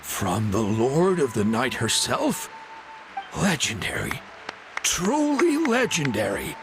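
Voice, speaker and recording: Slow-spoken, dignified tribal ally. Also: male voice, mid-range voice, huge pitch swings, over loud music, exaggerated voice. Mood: impressed. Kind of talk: video game cutscene acting.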